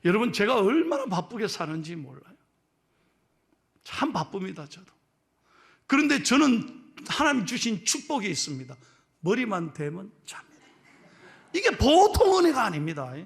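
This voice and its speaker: A middle-aged male pastor with a Gyeongsang accent, preaching a sermon in a joking, lively way and teasing his congregation. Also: extremely high pitch, normal speed, creaky, pauses often. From Gyeongsang region of Korea. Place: church sanctuary.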